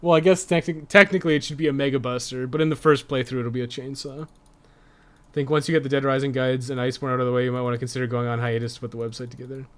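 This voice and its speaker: Laid-back talking streamer dude, mid-range voice, chats with chat and cusses a fair bit. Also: male voice, mid-range voice, fairly even intonation, fast, fairly bright tone. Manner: informal, foul-mouthed. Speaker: video game live streamer. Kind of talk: casual livestream chat with viewers.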